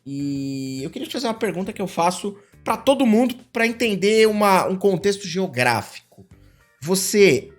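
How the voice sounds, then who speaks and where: A playful male podcast host hams up his lines and keeps repeating catchphrases. His pitch swings widely. A faint bed of music plays behind him. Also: very animated, normal speed. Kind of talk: casual interview hosting.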